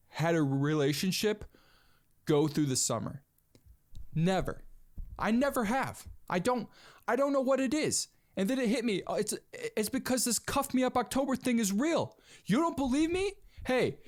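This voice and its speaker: A man in his twenties hosting a casual solo podcast, rambling and calling everyone "dude". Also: sits high. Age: 20s. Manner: rambling, animated, says "dude" a lot. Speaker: podcast host.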